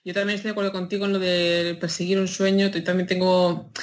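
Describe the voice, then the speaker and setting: A woman's voice: on the low side, fast. Madrid-accented woman, guest on an interview, chatty and emphatic, laughs a lot. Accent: Spanish, Madrid. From Spain. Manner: animated storytelling, laughs often, emphatic. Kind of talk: casual interview chat.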